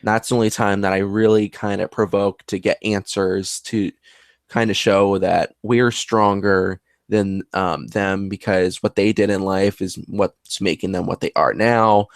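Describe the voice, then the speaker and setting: A man with a low, gravelly voice chats about his work as a paranormal investigator. He talks in an earnest, rambling way, and the sound is close and dry with no room echo. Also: fairly even intonation, unhurried. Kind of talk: casual conversation.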